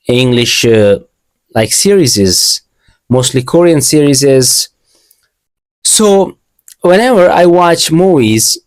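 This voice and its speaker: A man's voice: fairly high pitch, no echo. A young man from Asia, whose first language is an Asian language, gives a casual English lesson in earnest, learner English, often repeating and restarting phrases. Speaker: English teacher.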